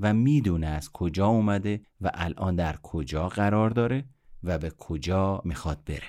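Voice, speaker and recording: A man's very deep, low voice with a dark, mellow tone, ordinary pitch variation and a fairly slow pace, in a very clean recording against a silent background. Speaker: podcast host, psychology. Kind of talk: scripted educational monologue. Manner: formal, explanatory.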